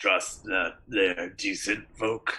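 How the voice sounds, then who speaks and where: A man's raspy, put-on character voice. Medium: actual play. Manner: earnest, friendly.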